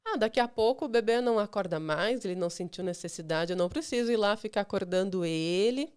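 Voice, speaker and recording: A Brazilian woman nutritionist giving guidance as a guest, patient and reassuring, and she often closes her points with "tá". Her voice is smooth and clear and sits in an ordinary middle pitch. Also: fast talker, a little mellow. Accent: Brazilian Portuguese. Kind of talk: explanatory interview talk.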